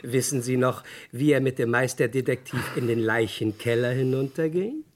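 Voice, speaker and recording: A man's voice: medium pitch, moderate pace, natural voice. An actor playing a smug know-it-all man who keeps teasing and spoiling a mystery. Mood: gloating. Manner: gloating, teasing.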